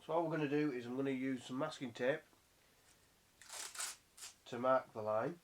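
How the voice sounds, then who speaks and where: A man with a croaky, froggy voice from being under the weather, casually explaining a hands-on DIY job as a vlogger. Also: mid-range voice, moderate pace, background noise.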